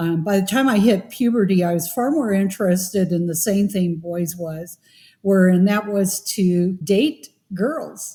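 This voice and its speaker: In a very clean recording with a silent background, a woman speaks with an American accent at a fairly slow pace. Her medium-pitched voice is somewhat breathy, with a dark, mellow tone. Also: ordinary pitch variation. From US Pacific Northwest (Seattle). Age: 60s. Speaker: former activist sharing testimony. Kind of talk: testimony.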